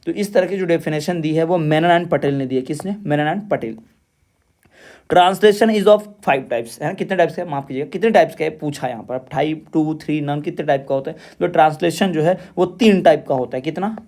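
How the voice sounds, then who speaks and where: A man teaching an exam-prep lesson. He reads the questions slowly, then explains them quickly and drills the answers by repeating them. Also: on the high side, dark tone.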